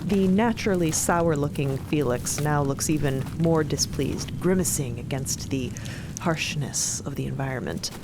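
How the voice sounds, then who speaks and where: A woman co-narrating a fiction podcast, measured and descriptive, with casual asides. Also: low-pitched, noisy background. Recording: loud music bed under narration.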